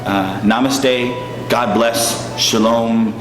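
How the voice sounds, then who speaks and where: A man chats informally to his viewers in an echoey room with music behind. He sounds low-key and a little hesitant, pausing as he goes. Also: steady tone. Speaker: actor, reader addressing online viewers. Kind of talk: casual, informal sign-off to viewers.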